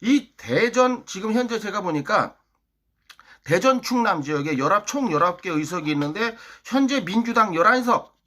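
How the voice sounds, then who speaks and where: A man from Chungcheong, South Korea, rants a political monologue to his viewers. His pitch swings up and down as he hectors and fires off one rhetorical question after another. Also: lively intonation, normal speed, bright, forceful tone. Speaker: political YouTuber.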